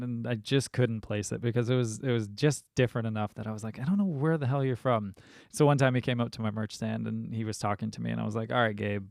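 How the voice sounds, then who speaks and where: A man hosting a podcast, chatting casually and telling lively stories with many fillers. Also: mid-range voice, vocal fry, no echo, clean studio sound. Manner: animated storyteller, many fillers. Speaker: podcast host. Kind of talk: casual conversation.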